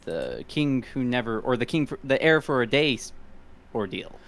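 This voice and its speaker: Hesitant questioning man, mid-pitched voice. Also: sing-song, moderate pace, a bit bright. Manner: inquisitive, hesitant, asks questions. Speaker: podcast co-host. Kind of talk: casual podcast chat.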